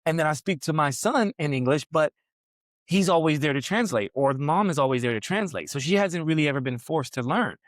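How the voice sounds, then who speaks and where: Expressive and a little high, the voice of this podcast host in his forties moves a little fast. He rambles through a long personal story while on a massage table in New York City, a casual interview chat full of "right?" tag questions. Studio quality, with no room sound.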